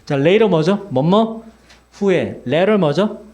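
Lively, chatty male English teacher. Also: sits high, slow. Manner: chatty, teasing, addresses students directly. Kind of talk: classroom lecture.

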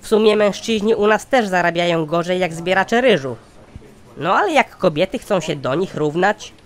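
A man's voice: high-pitched, expressive, normal speed. A man voicing a pompous, sardonic company chairman in a satirical cartoon, speaking formally. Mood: concerned, sardonic. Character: pompous, exasperated male company chairman, scheming boss.

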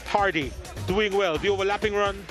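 A man commentating football match highlights in a lively, emphatic play-by-play manner. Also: moderate pace. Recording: voice-over with music underneath.

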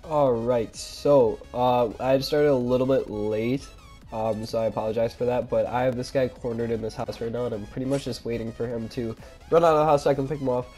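A young man with a cold, stuffed up and nasal, commentating his own gameplay and pausing for breath, with excited outbursts. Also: mid-range voice, faint music behind. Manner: nasal, pauses for breath mid-sentence; excitable exclamations during fights. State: congested from a cold. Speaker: gaming channel host.

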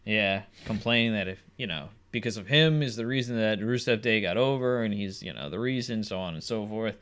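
A man co-hosting a podcast, recapping wrestling shows in a relaxed, rambling way with lots of fillers. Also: fairly low pitch, brisk. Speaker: podcast co-host. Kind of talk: casual wrestling chat.

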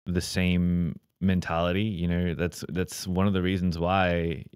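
A man in his thirties hosting a casual podcast interview in a studio, relaxed, sometimes tripping over his words. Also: deep voice, clear, resonant tone, no echo. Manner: relaxed, stumbles and restarts, reads ads briskly. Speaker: podcast host. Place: dim studio set. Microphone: boom-mounted studio mic.

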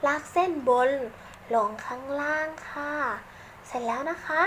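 A woman teaching young children English letters in a gentle, patient, praising way. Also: high voice, a little slow, a little hiss or hum, low-quality recording. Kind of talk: children's lesson, slow and encouraging.

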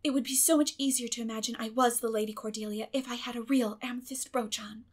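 Woman doing a theatrical little girl for an audiobook, high breathy voice, super dramatic and wordy. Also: steady tone, fast, natural voice. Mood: dreamy recital. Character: dramatic, imaginative young girl, pleading and theatrical.

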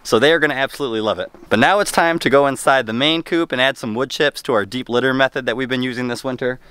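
A man's voice: mid-range voice, a bit bright, slight background noise. A young man chatting casually to camera while doing farm chores outdoors in the snow, upbeat and friendly, holding the camera at arm's length. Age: young adult. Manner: upbeat, chatty, talks to his animals. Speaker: homesteading vlogger. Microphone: handheld camera at arm's length.

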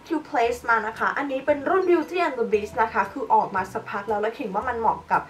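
A woman's voice: fairly high pitch, expressive, fairly quick, a little hiss or hum. A young woman chatting casually as a beauty vlogger while she demonstrates makeup products. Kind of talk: casual makeup tutorial chat. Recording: voice a bit far from the mic, light background music.

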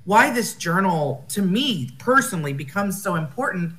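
A woman's voice: lowish voice, very animated, normal speed, a bit bright. An American woman speaking at an academic conference over a video call, thoughtful and often rephrasing herself. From United States.

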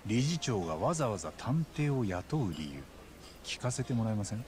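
An actor playing a laconic, streetwise detective in a video game drama, probing in a casual, blunt way. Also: male voice, on the low side, sing-song, normal speed, darkish tone, slight background noise. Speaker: private detective. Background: background music.

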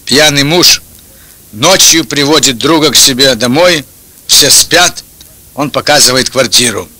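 A man's voice: mid-range voice, unhurried, pushed and bright, no echo. An older man telling short jokes and anecdotes, speaking close into a microphone. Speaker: joke teller. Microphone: handheld-type microphone held close, headphones on.

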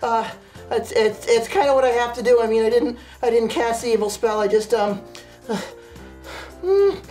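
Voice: mid-range voice, moderate pace, dark tone, close to an everyday voice. A performer voicing an eager, awkward young puppet prince in a children's story sketch, hesitant, rambling and apologetic. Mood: flustered, apologetic. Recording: roomy sound with music behind.

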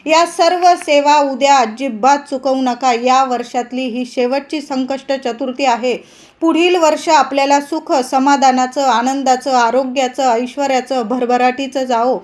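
High-voiced woman giving earnest Marathi ritual advice. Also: steady tone, measured pace, a little mellow. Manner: earnest, instructive, repetitive emphasis. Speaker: devotional video host. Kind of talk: devotional advice talk to women viewers.

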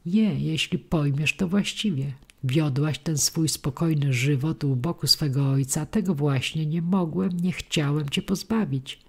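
A man's voice: fairly high pitch, a little slow, vocal fry, hardly any pauses, husky, full character voice. A woman reading the part of a persuasive middle-aged male suitor, coaxing and insistent, in an audiobook.

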